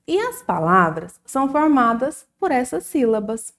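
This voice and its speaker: Brazilian woman, children's teacher, lively pitch, unhurried sing-song delivery. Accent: Brazilian Portuguese. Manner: slow, sing-song, drawn-out syllables for young pupils. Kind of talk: recorded children's lesson.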